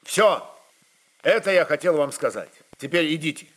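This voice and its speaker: A bold Cossack chieftain from a historical radio drama, put on by a man. The voice is raised and fairly high, commanding and impatient, with halting, forceful declarations broken into short phrases. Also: lively intonation, slightly rough. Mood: forceful, uneasy.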